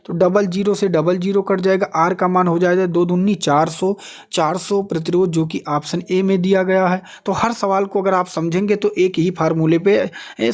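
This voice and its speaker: A man teaching a lesson step by step, in an instructional way, often asking questions and answering them himself. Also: sits high. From India. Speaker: exam coaching teacher. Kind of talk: step-by-step maths and physics lesson.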